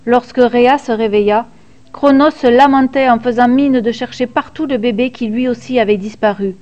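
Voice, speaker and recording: A woman narrates a serialized mythology story for listeners. She reads expressively and dramatically, her voice sitting a little high. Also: moderate pace, a little mellow, highs cut off.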